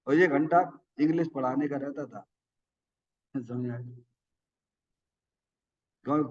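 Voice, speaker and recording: दूर से सुनाई देता प्रवचन करता पुरुष. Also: male voice, a little high. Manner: folksy, asks the audience questions. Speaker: Jain preacher. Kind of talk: sermon. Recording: dull sound from far off the mic.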